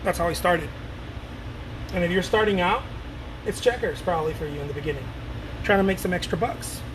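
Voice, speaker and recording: A man in his late thirties with a fairly high voice talks to camera in a loose, animated way, doubling back on his words and dropping the odd curse. A steady air-conditioning hum sits clearly under his speech. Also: brisk. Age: 30s. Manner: loose and animated, repeats words, swears casually. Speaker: painter talking to his viewers. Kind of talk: casual rambling talk to camera.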